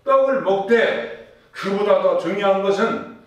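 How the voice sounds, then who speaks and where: A man's voice: high voice, a little slow. A male pastor preaching a sermon, putting questions to his congregation and answering them. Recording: echoey room with a distant mic.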